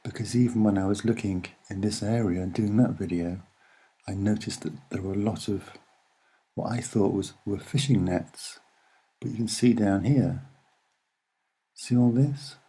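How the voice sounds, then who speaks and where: A soft-spoken man with a husky voice, giving a casual, musing and hesitant commentary as he explains what he sees. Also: on the low side, moderate pace. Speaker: video narrator.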